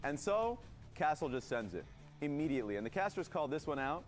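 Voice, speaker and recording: A man's voice: fairly high pitch, very animated, a little fast, soft background music. A man giving conversational esports match analysis as a broadcast analyst.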